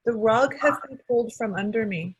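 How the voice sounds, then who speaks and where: A woman practitioner guiding a call-and-response tapping session, speaking calmly in short phrases for her client to repeat. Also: fairly high pitch, normal speed, slightly rough, low-quality recording.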